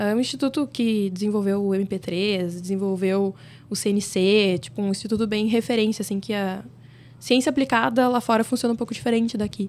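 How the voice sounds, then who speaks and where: In a very clean recording with a silent background, a woman talks in an ordinary speaking voice. She keeps a fairly quick pace with ordinary pitch variation. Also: medium pitch for a woman. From southern Brazil, Rio Grande do Sul interior (Santa Rosa). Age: 30s. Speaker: fintech entrepreneur. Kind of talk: podcast interview. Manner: casual, many filler sounds.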